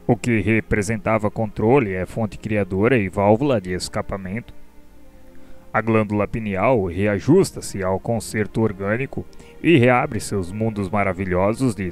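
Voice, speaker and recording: An actor playing a wise, generous spiritual mentor in a radio drama, lecturing formally and didactically with a Brazilian accent. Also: male voice, fairly low pitch, lightly acted.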